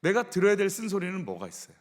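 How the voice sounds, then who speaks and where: A man preaching a sermon in a church, animated storytelling with acted-out quotes. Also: sits high, rapid-fire, in a large hall. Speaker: pastor. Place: church sanctuary.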